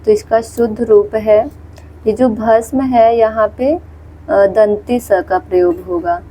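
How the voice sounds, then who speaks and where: Patient Hindi tutor woman, soft husky tone. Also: a little high, fairly even intonation, slow pace, poor audio. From India. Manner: explains patiently, repeats words, points at screen. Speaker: Hindi teacher. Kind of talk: exam-prep lesson walking through questions.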